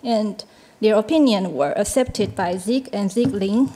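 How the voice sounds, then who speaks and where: A woman's voice: medium pitch, measured pace, mellow, slight background noise, poor audio. A woman whose first language is Chinese, speaking English as a discussant at an academic seminar, hesitant, with frequent fillers and short laughs.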